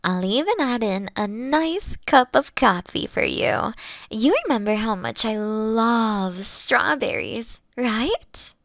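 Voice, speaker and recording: A woman's voice: fairly high pitch, animated, slow pace, a bit bright, no room sound, studio quality, exaggerated voice. A woman voicing a playful, affectionate young fox-witch girlfriend in an intimate roleplay audio, with cooing, teasing delivery. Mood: sweet, affectionate.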